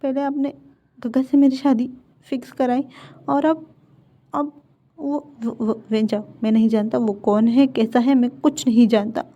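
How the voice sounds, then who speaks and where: A woman's voice: fairly high pitch, fairly even intonation, a little slow, mellow. A woman voicing an anxious young man who stammers and pleads, in a dull lo-fi recording. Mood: pleading.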